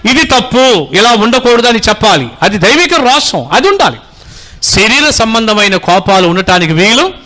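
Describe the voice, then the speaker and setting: A man's voice: very high voice, bright, forceful tone. A pastor in his forties preaching a sermon, fatherly and exhorting, calling his listeners children and having them repeat phrases.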